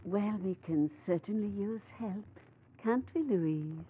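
An American actress playing an eccentric, imperious old lady, brisk and insistent, in 1940s radio style. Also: medium pitch, natural voice. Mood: gracious. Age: older. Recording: noisy, tinny old radio recording.

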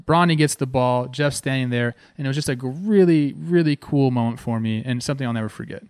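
Man, 30s, from Southern California, former ballplayer, show host, excited casual storytelling, dry close sound. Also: quick pace, clean tone, no room sound. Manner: excited, animated, talks with fillers like "man" and "boom".

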